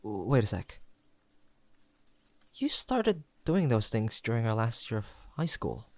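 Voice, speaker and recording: Man voicing a lovestruck young boyfriend, tender and teasing, halting conversational delivery, intimate romance audio roleplay, very dry close sound. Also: medium pitch, sing-song, dry recording. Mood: playful, incredulous. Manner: conversational, hesitant, halting delivery with sighs and soft chuckles.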